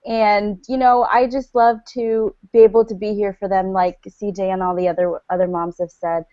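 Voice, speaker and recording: A woman's voice: mid-range voice, level tone, moderate pace, mellow, dry recording, muffled recording. A woman and stay-at-home mother talking in a bubbly, chatty way, full of fillers, in a casual online group chat. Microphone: video call.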